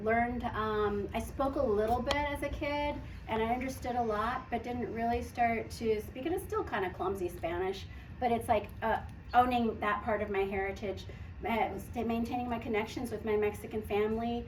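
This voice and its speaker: A woman with a Midwestern American accent at a moderate pace, with ordinary pitch variation and audible room echo. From US Midwest, rural southern Illinois. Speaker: artist. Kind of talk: Q&A at artist talk. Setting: gallery with audience. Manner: casual, hesitant with fillers.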